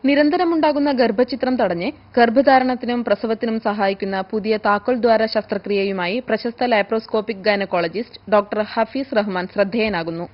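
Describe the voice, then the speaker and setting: Higher-voiced woman reading formal news. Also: fairly quick, hardly any pauses, slight background noise. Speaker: news reader. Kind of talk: scripted news narration. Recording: dull, lo-fi broadcast audio.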